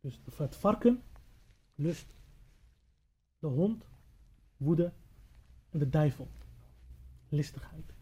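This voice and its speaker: A man's voice: fairly high pitch, expressive, extremely slow, long pauses, warm tone, breathy edge. A man teaching at a religious gathering, telling a moral story in a sermon style and often repeating and restarting words. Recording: dull lo-fi recording.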